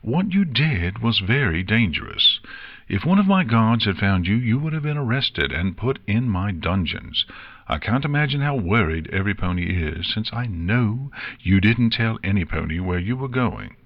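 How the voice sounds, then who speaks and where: A man's voice: fairly low pitch, very animated, moderate pace, highs cut off. A man voicing a stern adult female pony ruler who speaks firmly and seriously in a story reading. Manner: firm, serious.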